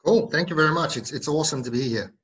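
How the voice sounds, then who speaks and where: A man's voice: fairly high pitch, very fast, a bit bright, slightly rough, highs cut off. A man in his forties from South Africa, a podcast guest chatting casually, jokey and often laughing, with plenty of ums. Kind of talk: casual interview chat.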